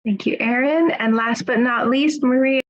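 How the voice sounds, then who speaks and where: A middle-aged woman, a nursing school director, moderating a webinar panel with a warm, encouraging way of asking questions. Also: on the high side, moderate pace. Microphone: video call. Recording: slightly dull video-call audio.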